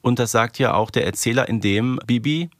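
A man's voice: mid-range voice, a little fast, no echo, clean studio sound. A man co-hosting a podcast, analysing in a casual, conversational way. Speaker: podcast co-host. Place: close, dry podcast recording.

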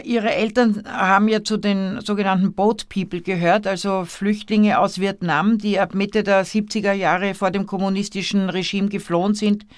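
Host voice, mid pitch, chatty, many fillers, dry close recording. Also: no room sound. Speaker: university interviewer. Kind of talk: interview questions.

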